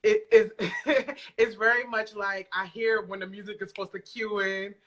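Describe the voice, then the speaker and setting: A woman speaking as an interview guest on a remote call, informal and reflective, often halting as she works out her answers. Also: medium pitch, steady tone, a bit bright. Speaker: guest, audio drama creator. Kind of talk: casual interview chat. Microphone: remote video call.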